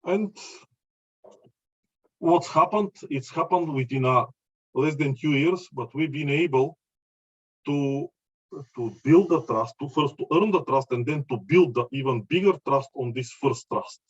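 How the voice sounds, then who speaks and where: A man with a Bulgarian accent presents to a conference in non-native English. His voice is medium in pitch, and he speaks haltingly, pausing to search for words. The recording is a little dull and lo-fi. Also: husky. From Bulgaria, mining region near Chelopech. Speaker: mining company representative giving a presentation. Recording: slightly dull, lo-fi audio.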